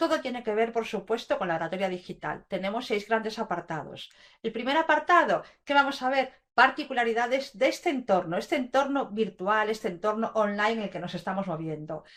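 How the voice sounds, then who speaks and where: A woman talks at a fairly quick pace in a Galician accent. Her intonation is lively. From Galicia, Spain (Lugo). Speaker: communication and public speaking trainer. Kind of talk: webinar talk. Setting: online webinar. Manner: fast; varied pace, dynamic.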